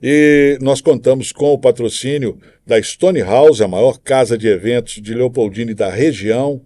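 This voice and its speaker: A man's voice: medium pitch, moderate pace, mellow. A man with a Brazilian accent hosting a live podcast, interviewing and making announcements.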